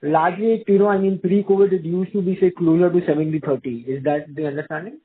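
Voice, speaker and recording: Man, financial analyst, wordy questioning, slightly high clear voice, narrow telephone audio. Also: fairly even intonation, quick pace. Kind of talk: questioning on an earnings call. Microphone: phone. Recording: thin, narrow phone line.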